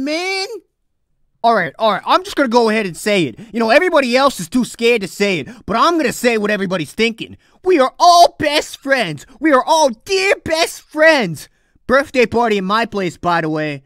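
A man's voice: very high voice, fairly bright tone, dry recording, studio quality, heavily acted. A young man voicing a brash, cocky, mouthy young mercenary in a video game character impression. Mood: excited, pleading.

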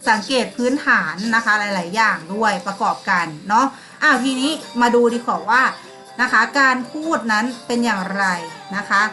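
A woman's voice: on the high side, bright, forceful tone. A woman teacher giving a lesson to primary school pupils, calling on them by name and acting out sample replies. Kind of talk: online class lesson.

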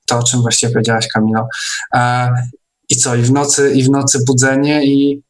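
A man hosting a casual online interview, speaking in a hesitant, halting way. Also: mid-range voice, monotone. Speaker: host of an online meeting. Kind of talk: casual interview over a video call.

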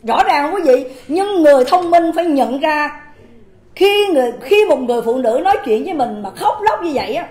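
A woman's voice: high-pitched, lively intonation, brisk, a little mellow. A woman with a Southern Vietnamese accent giving an impassioned livestream monologue, indignant and emphatic, firing rhetorical questions at her viewers. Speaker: livestream host. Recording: roomy echoing room.

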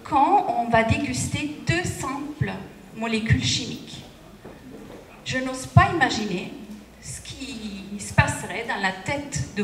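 A middle-aged woman giving a conference talk at a lectern into a handheld mic, speaking deliberately and checking in with the audience. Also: a little high. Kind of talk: lecture presentation. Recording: echoey room, distant capture, faint noise.

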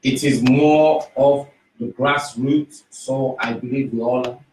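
A man answering as a radio interview guest in an earnest, deliberate way, often in short listed phrases. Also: medium pitch, steady tone, a little mellow. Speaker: studio guest, community ambassador. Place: small radio studio. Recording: roomy, distant, noisy studio pickup.

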